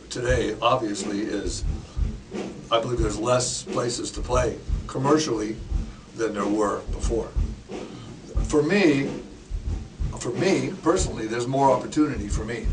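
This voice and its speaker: A Canadian man in his sixties, a drummer and educator, telling stories in a casual interview with small jokes. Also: medium pitch. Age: 60s. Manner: relaxed storyteller, sings snippets, jokes. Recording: distant mic with clear background noise.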